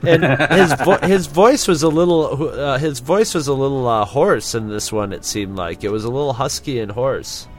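A man chatting casually as a podcast co-host in a rambling, halting way. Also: mid-range voice, faint music behind. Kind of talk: casual chat.

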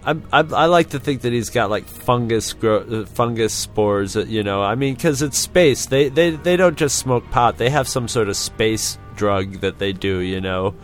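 Rambling male podcast co-host, faint music behind. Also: medium pitch. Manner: rambling, halting. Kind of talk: casual chat.

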